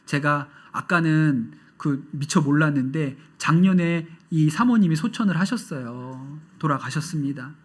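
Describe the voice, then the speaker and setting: A male pastor delivers a sermon in a church, his voice sitting a little high for a man. He tells stories in a gentle, unhurried way and often slips into quoting other people. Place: church sanctuary.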